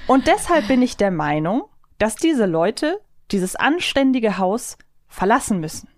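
A woman's voice: a little high, big pitch swings, unhurried, darkish tone, no echo. A woman hosting a casual podcast quiz, chatting and reading out quotes. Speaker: podcast host and quizmaster.

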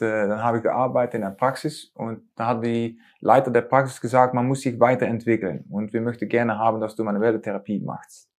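A man in his forties from the Netherlands speaking German with a Dutch accent, pausing often with fillers and small grammar slips as an interview guest. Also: medium pitch, a little mellow. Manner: hesitant with many fillers and non-native grammar slips. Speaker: osteopath and lecturer. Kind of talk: conversational interview.

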